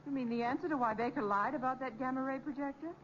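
High-voiced, curious female sidekick, eager, 1940s radio mystery, dull vintage recording. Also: fast talker, a bit bright, a little hiss or hum. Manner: questioning, eager. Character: inquisitive, eager female assistant to a detective. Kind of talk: 1940s radio crime drama acting.

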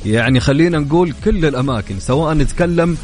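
A young man with a Saudi accent hosting a lively radio show, chatty and upbeat, answering his own questions. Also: on the high side, fast. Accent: Saudi Arabic. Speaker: radio host. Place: radio studio. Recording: studio radio with faint music.

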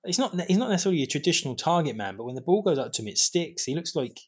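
A man's voice: a little high, sing-song, rapid-fire, husky. A man co-hosting a casual football podcast, often stumbling and restarting as he talks. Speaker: podcast co-host.

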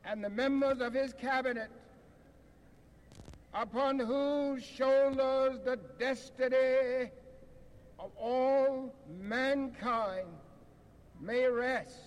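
A minister prays a benediction with extremely slow, cadenced, solemn delivery. His voice sits very high. Long reverb trails each phrase, as from a public address system. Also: fairly even intonation, highs cut off. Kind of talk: prayer.

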